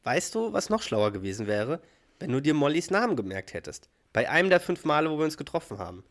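A man's voice: a little high, sing-song, quick pace. A man reading the part of an exasperated wife who scolds her husband with sarcasm, in a podcast read-through of a sitcom scene. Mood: scolding.

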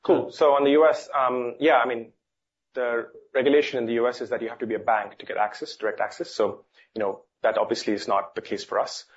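A man's voice: mid-range voice, fairly even intonation, a little fast. A man speaking as a company executive on an earnings call, informal in phrasing as he answers questions. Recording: dull, band-limited call audio.

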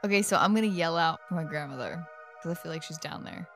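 A woman's voice: sits low, quick pace. A young woman improvising casually as a player in a role-playing game. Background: music.

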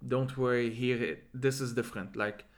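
A man from Lebanon, a podcast host and interviewer, speaks in a mid-range voice with fairly even intonation at a normal speed. He rolls his R's and seems to think aloud, circling through asides in a discursive way. It's reflective, conversational interview talk.

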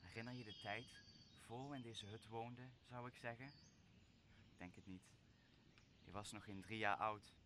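A man playing a vengeful exiled magician and father in a radio play, brooding and theatrical, with deliberate drawn-out phrasing. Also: on the low side, steady tone, background noise, natural voice. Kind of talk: Dutch radio play acting.

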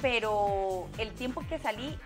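A woman's voice: on the high side, measured pace, over music. A young Costa Rican woman in casual chat as a podcast co-host, telling a personal story and acting out her own past lines.

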